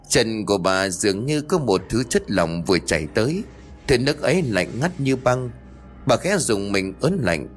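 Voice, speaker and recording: A man narrating a horror story in a steady, suspenseful scripted way. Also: medium pitch. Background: faint music.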